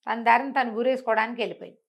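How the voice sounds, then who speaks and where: Expressive woman storyteller. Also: on the high side, rapid-fire, creaky. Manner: expressive, acts out dialogue, repeats phrases for emphasis. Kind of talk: conversational oral storytelling of a moral folk tale.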